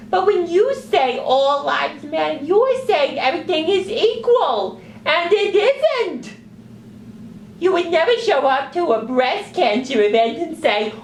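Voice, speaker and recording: A woman voicing an indignant, earnest male sock puppet in a news parody, with emphatic, exasperated, drawn-out words. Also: sits high, reverberant, slight background noise, heavily acted.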